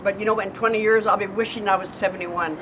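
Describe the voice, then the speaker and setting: A woman's voice: medium pitch, fairly even intonation, fast talker, a bit bright. Earnest woman in her seventies outdoors. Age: 70s. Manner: earnest, chatty, repeats words when thinking. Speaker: neighbor answering viewer questions. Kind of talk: casual outdoor chat. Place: backyard lawn by a wall, outdoors. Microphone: far camera. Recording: outdoor noise, distant camera mic.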